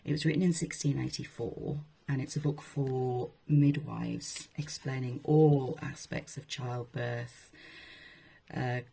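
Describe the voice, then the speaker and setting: Low mellow lady voice, bit breathy, chatting and reading old book stuff, dryly amused. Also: steady tone, slow pace. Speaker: presenter reading old texts. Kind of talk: informal talk with read-aloud passages from a historical book.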